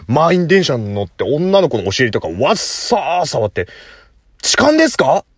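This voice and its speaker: Man telling a story, hugely animated pitch. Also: moderate pace, husky, dry recording, studio quality. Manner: animated, laughing at his own story. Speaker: podcast host. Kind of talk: casual solo storytelling. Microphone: phone app recording.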